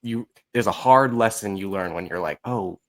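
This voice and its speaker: Dude w a lowish voice, casual podcast guest, self-deprecating storyteller. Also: male voice, moderate pace. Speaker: podcast guest, musical writer. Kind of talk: casual interview chat.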